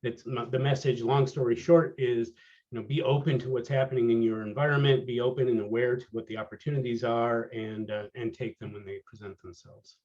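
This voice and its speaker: A man in his fifties speaking as a panel guest, wry and rambling, often trailing off quietly, on a video call. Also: mid-range voice, fairly even intonation, fairly quick. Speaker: panel speaker, business manager. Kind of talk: casual panel talk over a video call. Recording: dull lo-fi call audio.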